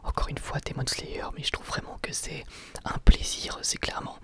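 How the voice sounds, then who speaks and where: A person whispering a casual, enthusiastic ASMR review in a soft, breathy voice, with slangy wording, as host of an anime channel. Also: normal speed.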